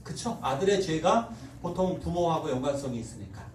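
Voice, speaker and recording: A pastor giving a Sunday sermon, telling stories and acting out quoted lines with laughter. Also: male voice, on the high side, a little fast, a little hiss or hum. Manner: animated storytelling, acts out quoted voices with laughter. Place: church sanctuary. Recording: roomy church hall, mic at a distance.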